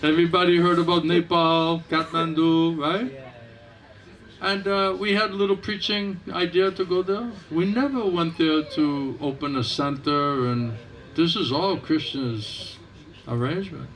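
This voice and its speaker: A man, a monk, giving an informal spiritual talk in a temple hall, speaking gently and conversationally and repeating back what he hears. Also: on the high side, unhurried. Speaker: monk answering questions.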